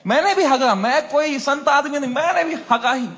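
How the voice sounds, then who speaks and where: High-voiced stand-up comedian. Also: male voice, normal speed. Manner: animated, mocking, swings between hushed and shouted asides.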